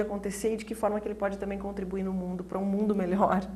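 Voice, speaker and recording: The speaker, in a Rio Grande do Sul accent, talks with monotone, flat intonation in audible room echo. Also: woman. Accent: gaúcho. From southern Brazil (Rio Grande do Sul). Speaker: author and coach. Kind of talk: interview. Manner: halting.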